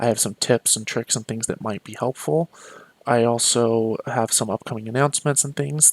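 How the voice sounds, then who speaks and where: A soft-spoken man talks at a fairly quick pace. His pitch is medium, with ordinary variation. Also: dry, close sound with no echo. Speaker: YouTuber, atheist activist. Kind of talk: live stream talk. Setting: basement of a rental home. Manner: quiet, talking softly.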